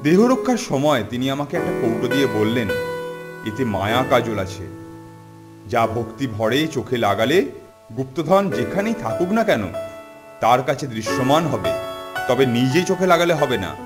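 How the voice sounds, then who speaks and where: A man's voice: medium pitch, big pitch swings, normal speed, lightly acted. A man playing a solemn, pious wandering holy man in a children's cartoon, with formal, grandiose old-fashioned speech. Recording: music behind the voice.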